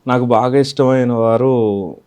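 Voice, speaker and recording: A man, a mimicry artist, giving calm, reflective interview answers. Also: mid-range voice, unhurried, smooth.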